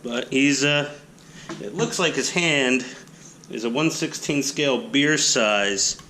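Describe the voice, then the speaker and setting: A man's voice: medium pitch, takes it slowly, sharp tone, a little hiss or hum. A man with a nasal voice rambling casually and self-deprecatingly while unboxing a hobby kit on an action camera. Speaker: hobby channel host.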